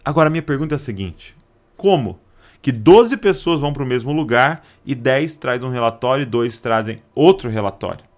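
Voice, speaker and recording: A man's voice: mid-range voice, animated, normal speed. Brazilian guy preaching hard, repeats his big lines, does little voices for the people in his stories. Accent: Brazilian Portuguese. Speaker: pastor. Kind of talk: sermon.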